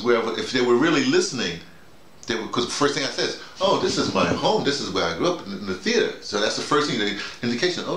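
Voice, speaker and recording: An older man with an American accent explains things casually, circling back and voicing bits of remembered dialogue. His pitch is middling. The room is echoey, with faint background noise. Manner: digressive, self-quoting, animated storytelling. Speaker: theater director and workshop leader. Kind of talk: informal debrief, rambling explanation. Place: small bedroom, indoors.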